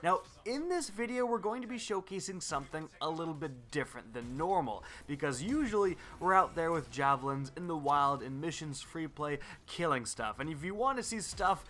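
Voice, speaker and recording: Game video presenter: man, fairly high bright voice, upbeat and explanatory voice-over. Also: lively intonation, moderate pace, hardly any pauses. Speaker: gaming video host.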